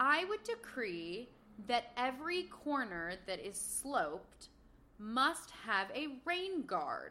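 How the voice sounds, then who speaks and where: A woman's raised, projected voice sits high in pitch with very wide pitch swings. She speaks at a very slow pace. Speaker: podcast co-host. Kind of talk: casual chat.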